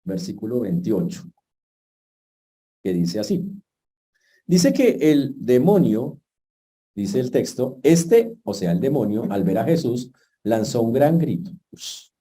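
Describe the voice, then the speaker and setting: Male pastor, very dark and mellow voice, lively storytelling sermon with asides to the church. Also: mid-range voice, takes it slowly, pauses often. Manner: lively storytelling preaching with jokes and asides to the congregation.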